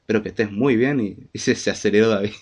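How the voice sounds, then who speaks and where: A man's voice: lowish voice, fairly quick. A man with a Rioplatense Spanish accent and a congested, head-cold voice, hosting a casual live podcast in a jokey, informal way. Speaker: podcast host.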